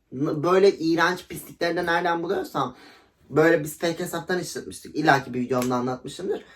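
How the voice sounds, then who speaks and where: A young woman telling a story in a casual vlog, gossipy and dramatic, acting out quotes with laughter. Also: low voice. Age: young adult. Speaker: vlogger.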